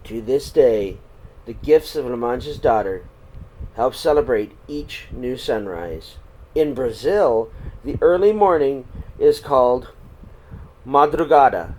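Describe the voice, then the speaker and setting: A man reading a story aloud for children in an expressive, dramatic storytelling style. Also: medium pitch, takes it slowly, poor audio. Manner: dramatic, swinging between hushed and projected. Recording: clear background noise.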